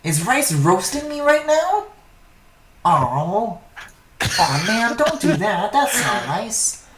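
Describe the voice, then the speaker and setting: A man's voice: sits high, big pitch swings, slow, roomy sound, background noise. A young man streaming himself drawing, chatting casually, swearing and trailing off mid-thought. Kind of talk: casual chat while drawing.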